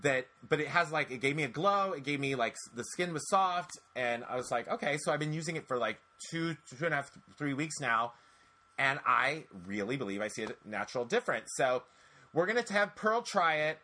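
A man in his forties with a bright, clear tone and a slightly higher voice, talking on a casual podcast. He rambles through stories in an animated, chatty way and restarts his sentences often. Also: fairly quick. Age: 40s. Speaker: podcast host.

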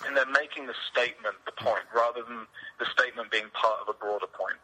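A man's voice: medium pitch, steady tone, quick pace, pushed and bright, low-quality recording. A man from England with a British accent, speaking as a guest in a candid, rambling interview. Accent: British English. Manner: outspoken, rambling with frequent restarts. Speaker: podcast guest.

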